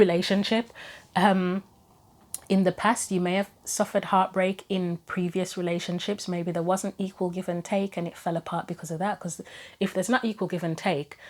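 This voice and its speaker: A woman doing an informal tarot reading, thinking aloud through possibilities, her throat a little troubled and her voice starting to go. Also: lowish voice. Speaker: tarot reader, host of own channel. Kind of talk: casual spoken tarot reading.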